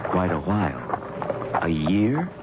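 Awkward, low-voiced young doctor. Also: male voice, big pitch swings, slow pace, exaggerated voice. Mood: concerned. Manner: bumbling, hesitant, stammering. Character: awkward, earnest, friendly young male doctor. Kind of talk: 1970s radio drama acting. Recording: dull, noisy old radio recording.

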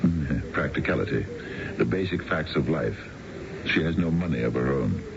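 An actor playing a wealthy, unfaithful middle-aged businessman in a radio drama, smooth and self-assured but halting, with a genteel, gravelly delivery. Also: very deep voice, lively intonation, heavily acted. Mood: smooth, matter-of-fact. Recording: muffled, noisy old radio broadcast.

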